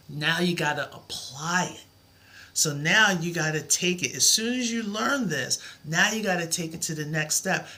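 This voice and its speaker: A woman's voice: low voice, pushed and bright. A middle-aged woman teaching a live math lesson, with a soothing voice and an encouraging, reassuring way of talking. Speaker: math tutor.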